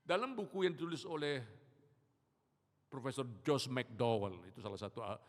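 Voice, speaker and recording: A man's voice: mid-range voice, normal speed. Man preaching in an echoey church. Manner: animated, rising to loud emphatic preaching. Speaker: pastor. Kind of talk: sermon with storytelling. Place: church sanctuary.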